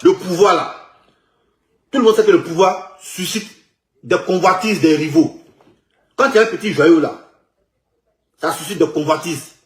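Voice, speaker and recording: A man with an Ivorian accent delivering an animated, casual political rant, emphatic, mocking and repetitive. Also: high-pitched, moderate pace, pauses often, roomy sound.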